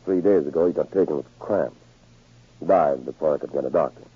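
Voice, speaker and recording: An actor playing a smug, cold-blooded, controlling spy villain in a 1940s radio drama, with a gruff, rough voice. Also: male voice, very deep voice, brisk, exaggerated voice. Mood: plausible, subdued. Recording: scratchy, narrow-band 1940s radio recording.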